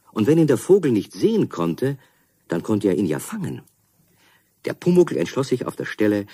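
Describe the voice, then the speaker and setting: A man narrating a children's radio play as a calm storyteller with a husky voice. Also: low voice, exaggerated voice.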